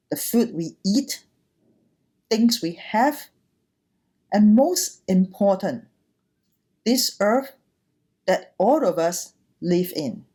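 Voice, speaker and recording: Slow, mellow-voiced woman giving a Dharma talk. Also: mid-range voice, breathy edge. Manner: deliberate, short phrases with pauses, earnest. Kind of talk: sermon, gentle teaching talk.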